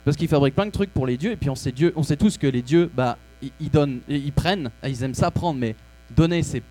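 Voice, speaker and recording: A man's voice: fairly high pitch, brisk, warm tone. A man hosting a comedy show, delivering a crude, rambling, mock-serious monologue. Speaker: comedy host. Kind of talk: comic monologue.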